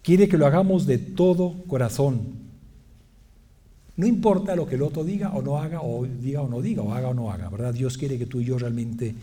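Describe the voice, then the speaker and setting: A middle-aged man preaching a lively sermon, moving from quiet asides to loud exclamations, joking with the audience and clearing his throat often. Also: medium pitch, moderate pace.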